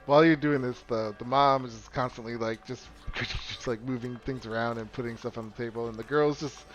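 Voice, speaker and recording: A man's voice: mid-range voice, steady tone, brisk, faint music behind. A man narrating a tabletop game as game master, casual and rambling, often breaking into laughter.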